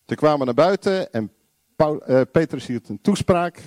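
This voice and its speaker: A man preaching a sermon, blunt and confrontational, acting out little dialogues and shouting single words. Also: a little high, expressive, normal speed, no echo, clean studio sound.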